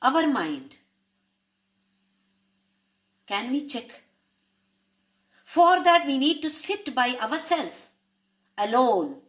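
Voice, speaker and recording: Woman spiritual teacher, unhurried and fairly high, rhetorical questions, Sanskrit terms. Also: sing-song, fairly bright tone. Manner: asks rhetorical questions to listeners. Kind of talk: explaining a spiritual text.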